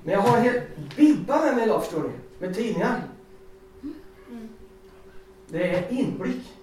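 A man giving an informal sermon and personal testimony, chatty and animated, often laughing as he tells stories. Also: sits high. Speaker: lay preacher. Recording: echoey hall, distant mic, faint noise.

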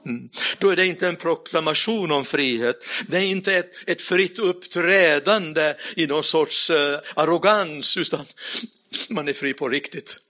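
A man preaching a sermon, telling a personal testimony and speaking to the congregation directly, dropping to a hush at tense moments and laughing lightly now and then. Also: on the high side. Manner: storytelling, addresses the audience directly; speaks in a hushed voice at dramatic moments.

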